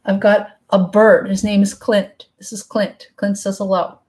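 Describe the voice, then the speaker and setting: A woman's voice: mid-range voice, flat delivery, measured pace, darkish tone. A woman in her thirties chatting frankly and casually with her live viewers, swearing now and then, recorded on a webcam mic in her apartment living room. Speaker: vlogger answering live chat. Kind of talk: casual live-stream chat. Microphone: webcam mic at desk.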